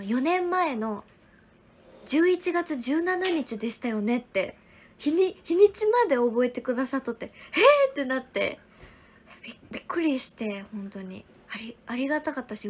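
High-voiced young woman, soft and whispery. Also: a little hiss or hum. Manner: soft, often whispery, thanking viewers one by one. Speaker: livestream host. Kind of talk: casual livestream chat reading viewer gifts.

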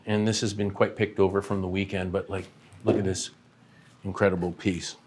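Homem de voz grave em tour pela loja. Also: male voice, low-pitched, normal speed, background noise. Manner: relaxed, many "um" fillers, pointing at products as he walks. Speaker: shop owner giving a tour. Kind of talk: casual walking tour. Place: large aquarium shop showroom and warehouse, indoors.

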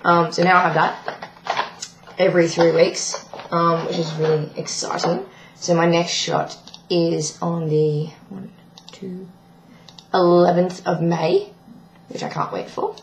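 A young trans man with a croaky, breaking voice, giving a rambling video diary update with many ums. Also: a little high, flat delivery, slow, long pauses, roomy sound, noisy background. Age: young adult. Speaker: vlogger. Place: small bedroom indoors. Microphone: webcam at desk.

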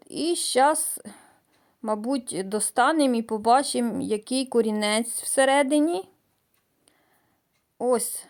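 A middle-aged woman from the Mykolaiv region of Ukraine, chatting homely and hesitantly in a casual vlog, with many fillers and pauses. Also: on the high side. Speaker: gardening vlogger. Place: outdoors in a village garden. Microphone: voice-over added after filming.

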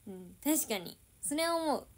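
A woman's voice: high-pitched, very animated, moderate pace. A young woman idol chatting casually on a livestream, reading and answering viewer comments.

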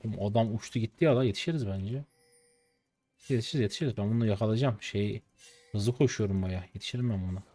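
A man in his late twenties from Turkey streams himself playing, talking fast in a voice on the low side. He's slangy, casual, and excitable, shouting out whenever the game swings.

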